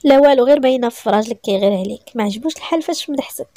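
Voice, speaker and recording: A playful young male tutor who teases his student, as a woman narrator puts him on. He talks fast with a gravelly, mellow edge and a Moroccan accent. Told as a spoken story. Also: fairly high pitch, no echo, clean studio sound, natural voice. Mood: teasing. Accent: Moroccan Arabic.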